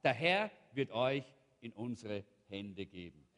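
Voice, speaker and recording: A man's voice: medium pitch, big pitch swings, slow, a bit bright. A man, a pastor preaching a sermon and animatedly retelling a Bible story, acting out the characters. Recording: long hall reverb.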